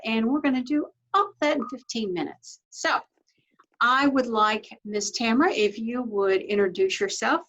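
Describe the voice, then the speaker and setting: A woman's voice: fairly high pitch, fairly bright tone, highs cut off. A woman hosting a candidate interview, asking scripted questions with brief, polite prompts. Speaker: interviewer, chamber of commerce host.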